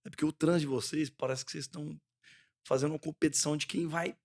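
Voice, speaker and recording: A man's voice: on the high side, steady tone, racing, vocal fry, darkish tone. A man with a Goiás accent hosting a podcast, asking long, rambling questions with many restarts. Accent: Goiás Brazilian Portuguese. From Brazil, Goiânia. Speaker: podcast host. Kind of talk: casual podcast chat.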